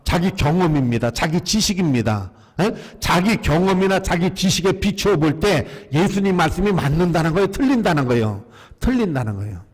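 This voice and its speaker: A man's voice: high voice, moderate pace, few pauses, breathy edge, long reverb tail. A male pastor preaching a sermon, asking the congregation questions and having them repeat lines after him. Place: church sanctuary.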